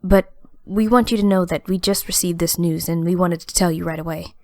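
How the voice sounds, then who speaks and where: A woman's voice: lowish voice, steady tone, a little fast, mellow, lightly acted. A woman playing a serious, careful team messenger in an amateur audio drama. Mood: cautious, apologetic. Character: serious, careful female team messenger breaking bad news.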